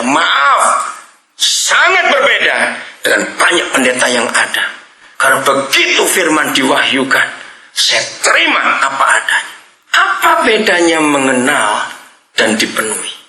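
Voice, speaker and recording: An older man preaching a lively sermon, asking the congregation questions and often shouting and laughing. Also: on the high side. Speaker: pastor. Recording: echoey room.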